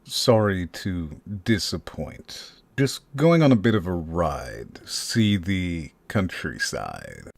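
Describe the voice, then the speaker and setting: An actor playing a huge, mockingly polite kidnapper in an audio drama, slow, taunting and gleefully sinister. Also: male voice, low voice, sing-song, creaky, no room sound, exaggerated voice. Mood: amused menace.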